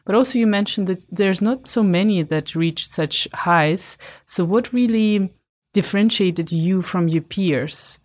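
A woman's voice: mid-range voice, a little slow. A woman interviewing a guest, asking reflective questions.

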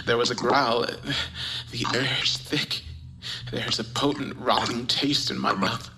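A man's voice: on the low side, steady tone, a little slow, bright, forceful tone, full character voice, low-quality recording. An actor playing a terrified, isolated man who is coming apart, whispering and stammering into an audio log. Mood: frightened.

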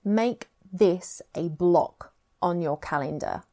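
A woman with an English accent hosting a scripted advice podcast in a tidy, measured way, setting out points clearly. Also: lowish voice, mellow. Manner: tidy, measured, numbered-tip delivery. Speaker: podcast host.

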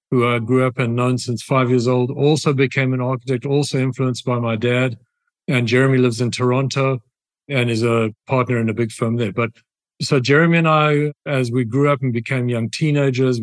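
Recorded dry, this man has a mid-range voice and a South African accent. He appears as an architect guest on a casual interview podcast, relaxed and reflective as he tells stories.

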